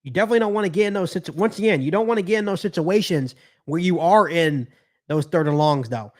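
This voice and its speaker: A man's voice: sits high, quick pace, a little mellow. A man with an American accent hosting a live football stream, giving conversational play-by-play and fan reaction, often repeating his phrases. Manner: repeats phrases, conversational, talks back to chat. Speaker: sports podcast host doing live play-by-play.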